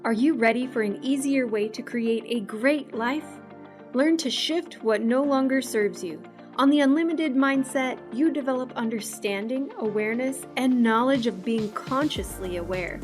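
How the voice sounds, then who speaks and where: A woman's voice: fairly high pitch, normal speed. A woman reading a scripted promo introduction for a podcast in a polished announcer delivery. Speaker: show announcer. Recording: voice over music.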